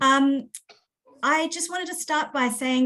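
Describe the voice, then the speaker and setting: This is a woman's voice. She speaks with an Australian accent. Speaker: professor. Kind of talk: lecture. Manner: halting, many fillers.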